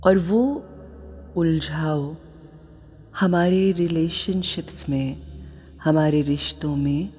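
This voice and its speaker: Woman meditation guide: deep, unhurried, soothing, over quiet music. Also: fairly even intonation, husky. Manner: slow, soft and soothing, sometimes dropping to a whisper.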